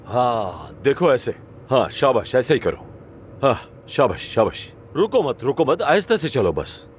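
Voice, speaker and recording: A middle-aged man voicing a patient husband who coaxes and calms others in a dubbed TV drama. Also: mid-range voice, measured pace, a little hiss or hum. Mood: coaxing. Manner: coaxing, soothing.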